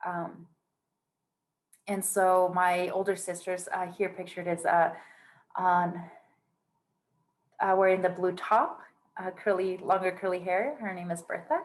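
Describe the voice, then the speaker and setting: With a Spanish accent, a woman talks at a medium pitch. Her intonation is fairly even, broken by long, frequent pauses. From Mammoth Lakes, California, US. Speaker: teaching artist and behavioral health worker. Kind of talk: workshop talk. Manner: halting, many fillers.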